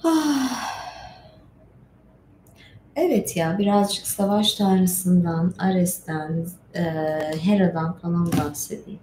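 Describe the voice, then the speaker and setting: A woman's voice: lowish voice, slow pace, darkish tone. A middle-aged woman hosting an informal storytelling stream, reading and retelling myths in a chatty, digressive way with asides. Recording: echoey room with faint background noise.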